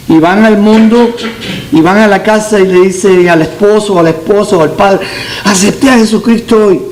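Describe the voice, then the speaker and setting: A man's voice: sits high, darkish tone, rough recording. A man born in Cuba, a pastor teaching a Sunday school Bible class, earnest and repeating key phrases for emphasis.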